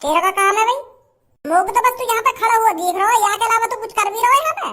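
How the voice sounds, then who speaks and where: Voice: extremely high pitch, animated, quick pace, pushed and bright, exaggerated voice. A performer voicing a cranky old man in a cartoon who has been sentenced to hang, scolding in rustic village speech. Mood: grumbling.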